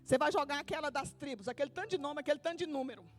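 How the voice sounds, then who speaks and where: High-voiced woman pastor preaching lively. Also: very fast, soft background music. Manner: lively preaching with acted-out Bible dialogue and calls for the congregation to repeat. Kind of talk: sermon.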